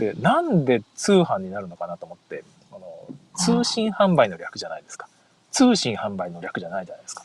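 His loudness rises and falls in big swings. The man keeps a fairly quick pace. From Fukui, Japan. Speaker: podcast host. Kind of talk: casual solo podcast talk.

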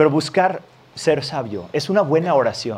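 At a middling speed, a man talks in a fairly high register while the room adds some echo. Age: 40s. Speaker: pastor. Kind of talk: sermon.

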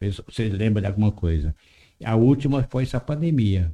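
On a very clean recording with a silent background, a man talks at a moderate pace. His tone is dark, mellow and somewhat breathy, with lively intonation. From rural Brazil, moved to Guarulhos. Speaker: business owner. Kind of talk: casual interview.

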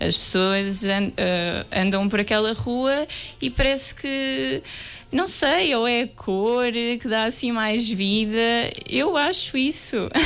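A woman talks very slowly in a fairly high voice with lively intonation. Her loudness stays very even throughout. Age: 20s. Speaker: artist and architecture graduate. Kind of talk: radio interview. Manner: hesitant.

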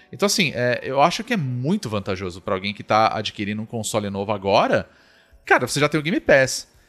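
Over background music, a man with a medium-pitched voice talks very fast with lively intonation. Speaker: podcast co-host. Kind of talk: casual chat.

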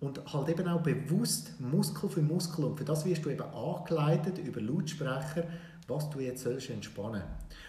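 A man at a moderate pace and fairly high pitch, with ordinary pitch variation, noticeable background noise and audible room echo. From Switzerland. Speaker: former pro wrestler and personal trainer. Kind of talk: interview.

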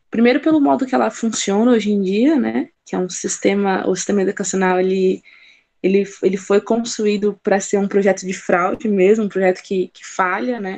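A woman with a normal speaking voice talks at a moderate pace and medium pitch. Her pitch variation is ordinary, but her loudness swings widely. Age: 20s. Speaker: history student and activist. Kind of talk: panel discussion.

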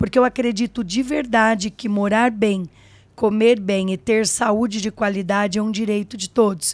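A woman's unremarkable speaking voice, fairly high in pitch, with fairly even intonation at a moderate pace. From interior of São Paulo state, Brazil. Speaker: dentist and entrepreneur. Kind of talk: interview.

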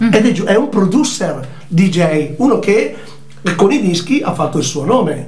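Talking at a fairly slow pace, a man with a high voice swings very widely in pitch, with audible room echo and noticeable background noise. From Veneto, northern Italy (Schio). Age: 50s. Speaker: DJ. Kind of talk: casual interview. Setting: live radio broadcast.

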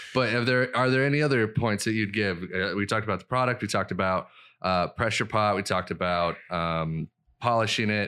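Against a quiet background, a man speaks at a fairly low pitch and a fairly quick pace, his loudness very even. His tone is bright and sharp, with ordinary pitch variation. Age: 30s. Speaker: podcast host. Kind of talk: interview.

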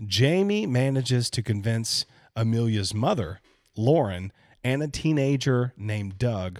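A plain, everyday voice with lively intonation, captured in a very clean recording with a silent background. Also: man. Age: 30s. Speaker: horror movie podcast co-host. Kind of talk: casual chat; reading aloud.

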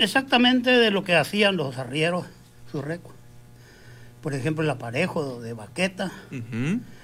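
A man speaks at a fairly high pitch in a bright, sharp tone, with very wide pitch swings. His pace is moderate, with long, frequent pauses. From rural Baja California Sur, Mexico. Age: 70s. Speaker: rancher and documentary director. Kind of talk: interview.

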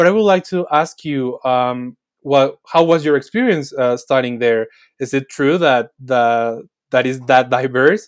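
A man with a Spanish accent speaks at a fairly slow pace on a very clean recording with a silent background. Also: medium pitch for a man, ordinary pitch variation. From Mexico. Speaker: podcast host and law student. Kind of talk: interview. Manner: halting, many fillers.

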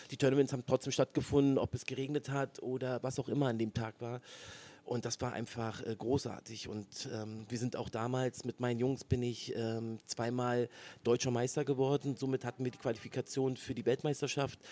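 Heard in a dry, close sound with no echo, the voice has a dark, mellow tone and monotone, flat intonation at a moderate pace. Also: man, medium pitch for a man. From Berlin, Germany. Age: 40s. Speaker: basketball player and team organizer. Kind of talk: casual chat.

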